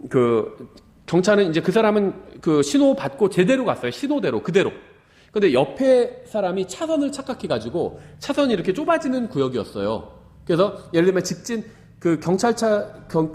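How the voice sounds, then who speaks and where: A male pastor giving a Bible lecture, telling stories and asking rhetorical questions. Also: a little high. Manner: lively storytelling with rhetorical questions.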